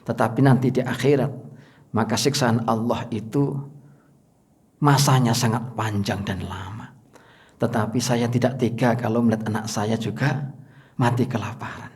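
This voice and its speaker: A man voicing a poor, desperate mother who pleads in a low, subdued voice for her starving child. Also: fairly even intonation, normal speed, long pauses, darkish tone, lightly acted. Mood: fearful.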